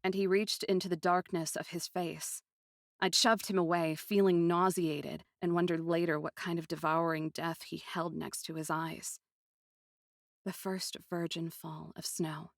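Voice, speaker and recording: A woman's voice: on the low side, no echo. Dry, close-miked woman narrating fiction dramatically.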